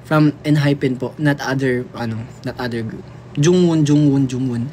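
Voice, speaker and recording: A man's voice: medium pitch, moderate pace, warm tone, a little hiss or hum. A young man from the Philippines hosting a casual livestream, playfully chatting and reading and answering viewer comments aloud, switching freely between languages. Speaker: livestream host.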